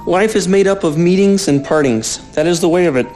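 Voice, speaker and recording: Man voicing a high-pitched gentle puppet father. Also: a little fast, soft background music, natural voice. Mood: tender, grieving.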